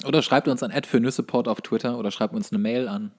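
A man's voice: mid-range voice, fast talker. A man co-hosting a podcast in casual comedic banter, talking in a joking, rambling way. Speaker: podcast co-host.

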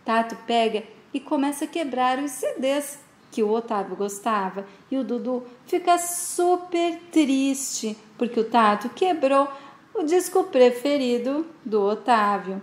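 Woman host, brisk casual recap narrator, slightly high voice, recorded in an echoey room. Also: expressive. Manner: brisk retelling, quoted lines voiced with some feeling. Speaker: channel host recapping a soap opera. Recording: roomy echo.

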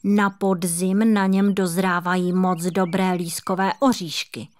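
A woman's voice: lowish voice, level tone, close to an everyday voice. A woman playing a kind, encouraging squirrel. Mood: cheerful. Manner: encouraging, gentle, motherly. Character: cheerful, kind rust-red female squirrel. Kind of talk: children's audiobook reading.

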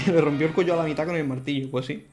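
A young man, chatting excitedly and laughing often as he plays through a video game. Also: on the high side, fast. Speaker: gaming YouTuber. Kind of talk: let's play commentary. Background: faint game music.

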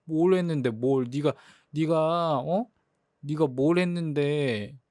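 A man's voice: fairly high pitch, slow, darkish tone, no room sound, clean studio sound. A young man playing a jealous boyfriend in a role-play drama, sulky and exasperated. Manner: sulky, hurt, exasperated complaining.

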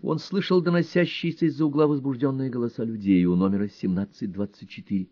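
A man reading a detective novel aloud in an even, measured storytelling manner. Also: medium pitch, dry recording, highs cut off. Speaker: audiobook reader. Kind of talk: scripted narration.

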